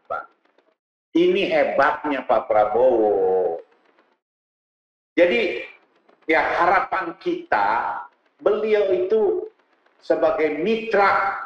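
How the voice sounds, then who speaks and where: A man chatting as a talk show guest, animated and earnest, often addressing the host as "sir". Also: medium pitch. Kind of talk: casual talk show conversation. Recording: roomy, dull studio sound.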